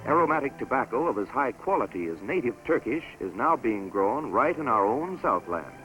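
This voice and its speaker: A man giving scripted narration for a promotional documentary film in a measured, stately announcer delivery. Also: medium pitch, very animated, low-quality recording. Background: orchestral music score.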